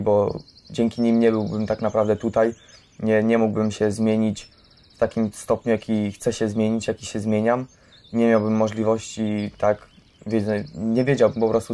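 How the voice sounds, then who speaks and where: A young man speaking candidly and personally, halting and repeating himself as he reflects. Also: lowish voice, warm tone. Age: young adult. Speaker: participant in a youth centre audio documentary.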